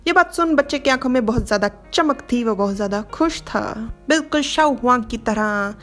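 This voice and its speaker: A woman narrating a story explanation in an expressive, dramatic way. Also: fairly high pitch, moderate pace, soft background music.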